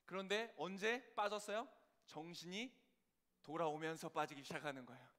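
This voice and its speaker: A man preaching a sermon as pastor. He poses many rhetorical questions and swings suddenly between soft, low passages and loud ones. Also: normal speed, long reverb tail.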